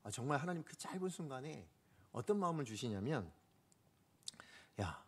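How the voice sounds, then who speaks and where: Fast-talking husky male pastor. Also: mid-range voice. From Korea. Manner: animated, asks the congregation questions; acts out quoted speech. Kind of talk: storytelling sermon.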